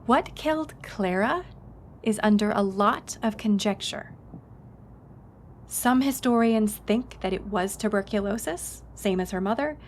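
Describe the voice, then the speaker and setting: A woman's voice: mid-range voice, measured pace, a little hiss or hum, lightly acted. A woman playing a friendly, knowledgeable historic house tour guide in an audio roleplay, speaking in an informative, conversational way. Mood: informative, engaged. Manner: conversational, informative, engages the listener with questions.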